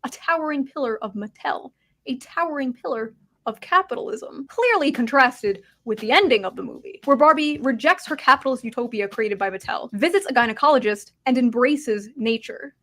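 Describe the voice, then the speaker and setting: A woman with a high voice delivers scripted commentary from an online video. Her tone is sarcastic and deadpan, with playful asides. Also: fairly quick. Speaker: video essayist.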